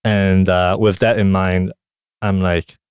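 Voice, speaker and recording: A young man from Hong Kong, a musician chatting in a studio interview, talking in a relaxed, halting way with many fillers. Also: sits low, smooth, no room sound. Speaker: musician guest. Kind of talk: casual interview chat.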